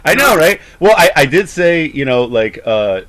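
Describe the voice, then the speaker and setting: A man's voice: fairly high pitch, very animated, normal speed, fairly bright tone. A man chatting casually, rambling with frequent stammers and false starts. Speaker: host of a call debrief. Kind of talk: casual chat.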